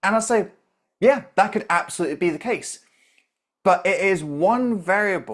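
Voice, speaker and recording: On a very clean recording with a silent background, a man talks at a moderate pace in a high pitch with lively intonation. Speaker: public speaking coach. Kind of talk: video commentary.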